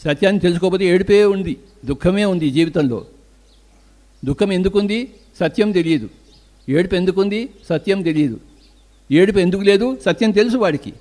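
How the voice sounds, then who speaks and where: A man's voice: high voice, moderate pace, long pauses, warm tone. A man giving a spiritual discourse, emphatic, answering his own rhetorical questions. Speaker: spiritual teacher.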